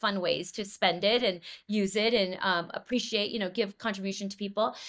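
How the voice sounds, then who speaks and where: This woman talks at a fairly quick pace. She has a Californian accent. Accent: General American, California. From US West Coast, Los Angeles. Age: 40s. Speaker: tech startup co-founder. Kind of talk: casual interview. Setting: video call.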